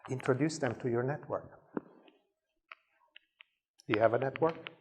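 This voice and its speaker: A man's voice: medium pitch, takes it slowly, slight background noise. A man giving a conversational leadership talk to a Christian audience, often stumbling over and repeating words. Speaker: conference speaker.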